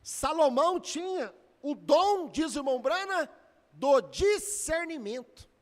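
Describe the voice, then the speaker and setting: A man's voice: extremely high pitch, big pitch swings, measured pace. A Brazilian man preaching in a church, retelling a story with dramatic, emotional intensity. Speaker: pastor. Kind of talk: storytelling sermon. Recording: echoey church hall.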